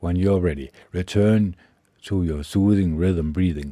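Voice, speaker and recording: In a Danish accent, a man with a very deep, low pitch speaks at a fairly slow pace on a very clean recording with a silent background. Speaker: podcaster. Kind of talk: self-help podcast monologue with reading aloud. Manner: halting, stumbling.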